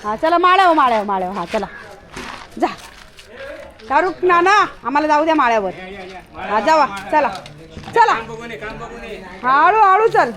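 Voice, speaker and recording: Woman vlogger, very high pitch, chatty and loud with her dog, over crowd chatter. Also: very animated, unhurried, long pauses. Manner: scolding, affectionate, calls out loudly. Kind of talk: casual vlog talking to her dog and viewers. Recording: busy crowd noise behind.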